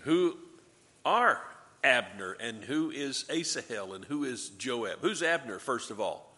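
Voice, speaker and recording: Man, Bible teacher, bright forceful voice, asks and answers his own questions, long hall reverb. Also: mid-range voice, animated, a little slow. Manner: asks the class questions and answers them himself; light joking asides. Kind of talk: Bible class review lesson.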